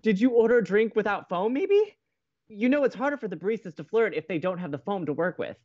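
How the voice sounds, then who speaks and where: A man's voice: sits high, sing-song, fast talker, muffled recording. Man acting as dramatic, swoopy-voiced young radio co-host. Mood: dramatic, indignant. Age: young adult. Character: dramatic, moody young college radio co-host, a hopeless romantic. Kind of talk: naturalistic romantic comedy podcast acting.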